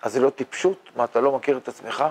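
Older male rabbi, gravelly tone, animated Torah lecture, lots of rhetorical questions. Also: medium pitch. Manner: animated, rhetorical questions, mock-boastful asides. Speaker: rabbi teaching a yeshiva class. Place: yeshiva study hall, indoors.

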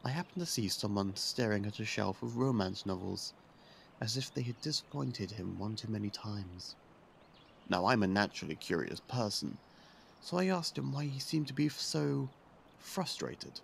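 A man playing a curious, persuasive young prince as a suitor in an ASMR roleplay, speaking softly and confidingly. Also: lowish voice, lively intonation, moderate pace, vocal fry, a little hiss or hum. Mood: gentle, confiding. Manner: soft-spoken, confiding, with some hushed whispers. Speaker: voice actor.

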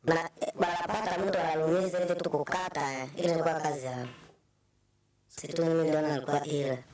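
A man giving halting testimony as a witness, searching for words. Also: on the high side, steady tone, darkish tone, distant mic.

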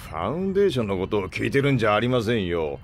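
An actor playing a gruff middle-aged ship captain and former soldier, gravelly and rough-spoken, in an audio drama. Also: male voice, fairly low pitch, very animated, rapid-fire, slight background noise. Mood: probing. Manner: rough, salty speech. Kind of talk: Japanese audio drama acting. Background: background music.

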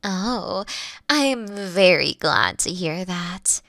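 Playful kitsune witch girlfriend, played by a woman: affectionate, teasing, high creaky voice, very close dry roleplay audio. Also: lively intonation, drawn-out words, bright, forceful tone, no room sound, exaggerated voice. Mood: sweet, affectionate.

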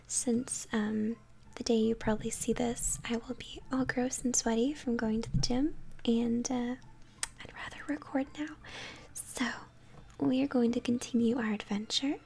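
A young woman giving gentle, chatty game commentary in a soft, breathy ASMR whisper. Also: fairly high pitch, slight background noise. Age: young adult. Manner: gentle, chatty, unhurried narration of play. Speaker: game streamer, host. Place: small home room, indoors. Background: game music.

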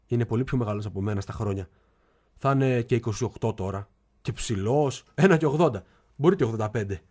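Performing a radio stage play, an actor takes on the role of a childlike, lonely young man whose speech swings from quiet confidences to shrill yelling. The acting is light.

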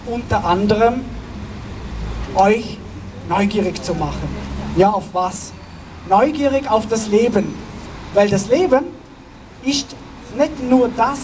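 Middle-aged male speaker, Vorarlberg dialect, chatty, quizzes the crowd; distant handheld-mic sound in a noisy square. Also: sits high. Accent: Vorarlberg Austrian German dialect. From Vorarlberg, Austria. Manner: chatty, asks the crowd questions. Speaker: guest speaker, author. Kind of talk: public talk at an outdoor rally. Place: outdoor city square. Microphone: handheld mic, filmed from afar. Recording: distant with outdoor street noise.

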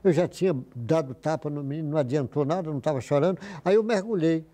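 A man's voice: fairly high pitch, fast talker, warm tone. An older man casually telling stories from his work as a doctor in an interview, acting out the voices of people in them. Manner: anecdotal, acts out quoted voices.

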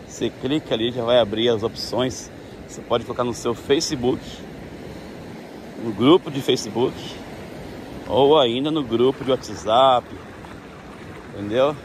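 A Brazilian man talks at an easy middle pitch, chatting to his viewers while he films at the edge of the sea. Wind and breaking surf hiss clearly under his voice on the camera mic. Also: a little slow, long pauses. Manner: chatty, coaxing viewers to like and share. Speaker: tour guide vlogger. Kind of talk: casual vlog talking to viewers. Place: outdoors on a windy beach at the water's edge. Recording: outdoor wind and surf noise. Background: waves and wind.

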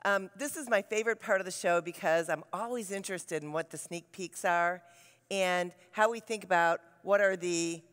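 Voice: medium pitch, normal speed, fairly bright tone, smooth. A conference presenter introducing the next speaker in an upbeat, loose way with fillers. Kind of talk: conference stage hosting. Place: large conference hall. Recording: long hall reverb.

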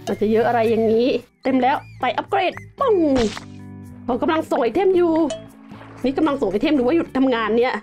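A young woman giving casual, excitable gameplay commentary as a game host, full of exclamations. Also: high-pitched, brisk, soft background music.

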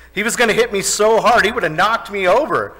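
A man's voice: high-pitched, moderate pace, bright, forceful tone, long reverb tail, voice pushed up, low-quality recording. A man quoting a curt, stubborn woman. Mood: scoffing. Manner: curt, dismissive. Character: stubborn, irritated adult woman stranger.

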